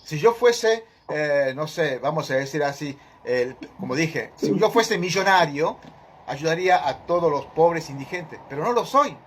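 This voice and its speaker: A man's voice: fairly high pitch, animated, a little slow, husky. Emphatic man teaching a Bible study. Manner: questioning, emphatic, addresses group directly.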